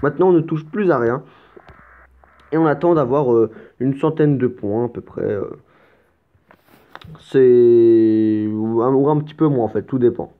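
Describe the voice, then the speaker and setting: A man with a medium-pitched voice, speaking a little slowly with long pauses, hosts a let's play of his strategy game. He comments chattily and explains casually, stammering and swearing mildly now and then, over tinny, phone-like lo-fi sound.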